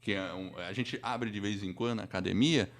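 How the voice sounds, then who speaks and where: Low-voiced Brazilian male podcast host. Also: brisk. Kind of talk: conversational live-show hosting.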